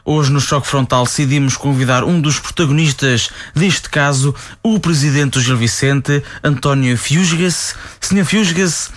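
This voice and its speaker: A man's voice: medium pitch, a little slow, lightly acted. A man playing a hesitant, dry radio interviewer. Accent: European Portuguese. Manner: hesitant, dry, many filler "eh"s. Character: polite, wry male radio interviewer. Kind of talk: radio comedy sketch.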